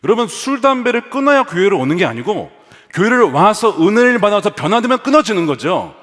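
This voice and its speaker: A male pastor preaching an animated sermon in a church sanctuary, mixing humor with rhetorical questions. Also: sits high, a little fast. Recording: long reverb of a large hall.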